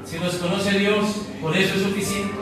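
A man's voice: high voice, little pitch movement, normal speed. A young man preaching a sermon as pastor, building to emphatic, half-sung lines. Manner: preaching with swelling emphasis, sometimes half-singing. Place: church hall with flags and balloons. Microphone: far camera at the back of the room. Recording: echoey hall heard from far off, piano behind.

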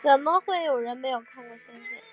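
A woman's voice: high voice, fairly quick, music in the background. A woman hosting a casual livestream, chatting with viewers and laughing at her own slips of the tongue. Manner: sings along with songs between chatting. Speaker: livestream host.

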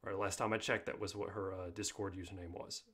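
A man narrating a software tutorial in an informal, step-by-step way. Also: low voice, level tone, fairly quick, slightly rough. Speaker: tutorial host.

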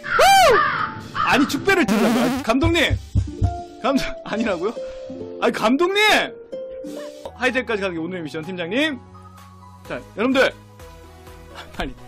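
A man hosting a live game show broadcast, talking in a frantic, hurried way, often correcting himself and shouting. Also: very high voice, very animated, over music. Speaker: livestream game show host. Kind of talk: excited live game commentary. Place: studio.

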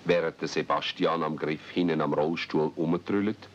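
Male narrator, Swiss German accent, deep voice, children's radio-play storytelling, muffled tape. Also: fairly even intonation, normal speed. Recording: muffled, noisy old cassette with rumble.

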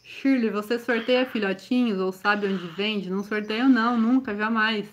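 A woman's voice: mid-range voice, steady tone, moderate pace. A woman with a Brazilian accent hosting a casual livestream as a bird breeder, answering viewer questions one after another. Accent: Brazilian Portuguese. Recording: slightly dull livestream audio, faint noise.

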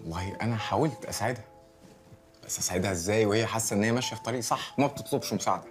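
A mild, concerned man, played by an actor speaking in Egyptian Arabic. His voice is low and quick. Clear music runs beneath him. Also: lightly acted. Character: calm, attentive man who wants to help the heroine.

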